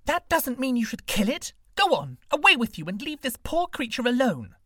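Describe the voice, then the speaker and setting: A high, commanding female snake spirit from a storybook tale, as a man puts her on. Her lines ring clearly and firmly in a dry, close sound. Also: wildly swooping pitch, moderate pace, bright, forceful tone, no echo, full character voice. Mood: stern.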